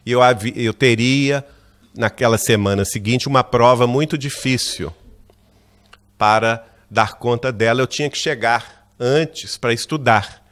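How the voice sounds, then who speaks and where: A man from Minas Gerais with a Brazilian Portuguese accent, giving a lecture at a spiritist center. He tells a personal story in a lively way and acts out the lines of the people in it. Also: medium pitch, a little slow. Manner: lively narrator who acts out quoted dialogue, often asks "né?".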